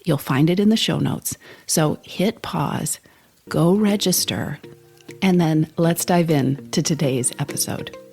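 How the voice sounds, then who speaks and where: A middle-aged woman hosting her own podcast, talking alone in an encouraging coaching tone, slightly hoarse from a sore throat. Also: deep voice, unhurried, a little mellow, faint music behind. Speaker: podcast host. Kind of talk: solo podcast talk.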